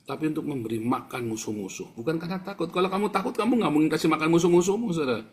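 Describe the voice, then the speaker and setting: A man preaching a fiery sermon, addressing listeners directly and bluntly. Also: mid-range voice. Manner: forceful preaching, keeps addressing listeners as brothers. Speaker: pastor.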